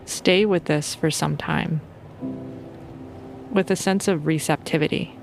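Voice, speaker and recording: A woman's voice: sits low, fairly even intonation, measured pace, creaky, soft background music. A woman leading a guided sleep meditation in an informal, playful and soothing way.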